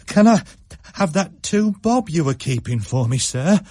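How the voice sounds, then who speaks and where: A man's voice: on the high side, very animated, measured pace, a little mellow, dry recording, voice pushed up. A man voicing a frightened working-class schoolboy who blurts his words out urgently. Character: scared working-class schoolboy, boy's mate.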